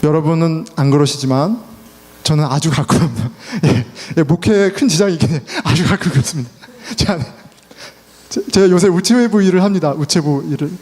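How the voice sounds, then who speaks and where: A man's voice: fairly high pitch, a little fast, a little mellow. A man preaching a sermon as a pastor, telling stories with self-mocking humor and acting out what people said. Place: church sanctuary. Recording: church hall reverb.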